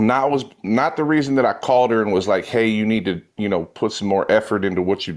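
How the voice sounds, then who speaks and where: A man's fairly low voice, fairly quick in pace, with lively intonation. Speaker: live-stream host. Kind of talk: casual chat.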